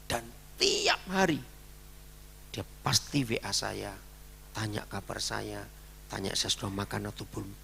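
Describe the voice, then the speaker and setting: A man's voice: lowish voice, sing-song, measured pace, gravelly, long pauses, sharp tone, slight background noise. A man preaching a sermon with an Indonesian accent, telling a story and acting out the dialogue in it.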